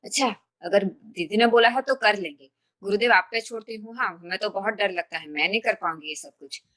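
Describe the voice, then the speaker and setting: A woman's voice: medium pitch, brisk, fairly bright tone. A woman in a study group earnestly describing her fears about reading aloud to the group. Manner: earnest, nervous confessional telling. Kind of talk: casual group sharing.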